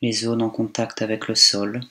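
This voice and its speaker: Guiding a body scan meditation, a man speaks in a lowish voice, calmly and without rushing. Long pauses stretch between his phrases.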